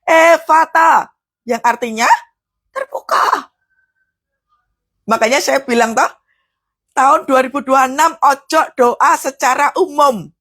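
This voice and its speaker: A woman's voice: high-pitched, fairly even intonation, normal speed, a bit bright, husky. A woman preacher, giving a live devotional sermon and telling stories to her listeners, whom she often calls brothers and sisters.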